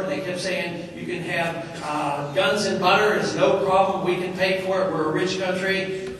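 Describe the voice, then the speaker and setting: A man speaks at a high pitch. Strong room echo and noticeable background noise surround his voice. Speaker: candidate. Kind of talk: campaign speech. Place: hall.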